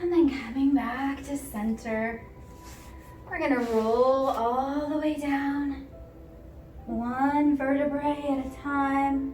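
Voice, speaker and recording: A calm woman at a high pitch and a very slow pace, with fairly even intonation, long, frequent pauses, audible room echo, and music in the background. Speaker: yoga instructor. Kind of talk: guided yoga class. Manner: slow, calm.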